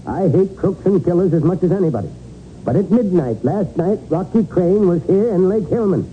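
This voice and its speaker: A man playing a folksy, stubborn small-town lawman in a 1940s radio drama, gruffly impatient and emphatic. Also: sits high, lively intonation, normal speed. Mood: defensive. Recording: scratchy, narrow-band 1940s radio recording.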